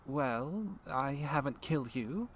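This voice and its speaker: A man's voice: mid-range voice, expressive, takes it slowly, slight background noise. A man playing a terse, matter-of-fact rescuer with an axe in an audio drama, dry and businesslike.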